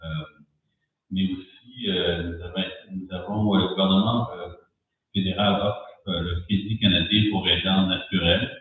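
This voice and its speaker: A man answers as a candidate at a debate, halting often and repeating words as he goes. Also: low-pitched, fairly even intonation. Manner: halting, frequent pauses and repeats. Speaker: election candidate. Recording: echoey room, far tinny mic.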